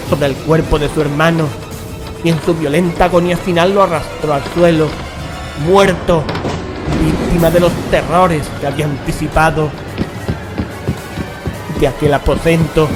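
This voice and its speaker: An actor playing a horrified gentleman who recounts a gothic tale in solemn, measured, dramatic narration. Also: on the high side, close to an everyday voice. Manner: solemn, literary, measured phrasing. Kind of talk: dramatic scripted horror narration. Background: dramatic music.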